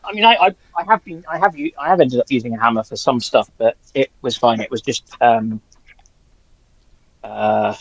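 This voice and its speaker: A man chatting casually and unscripted as a live-stream panelist, halting and searching for his words. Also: medium pitch, muffled recording.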